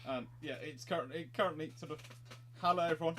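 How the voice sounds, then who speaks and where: A man hosting a casual livestream, chatting haltingly and often repeating his words. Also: fairly high pitch, fairly bright tone. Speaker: livestream host.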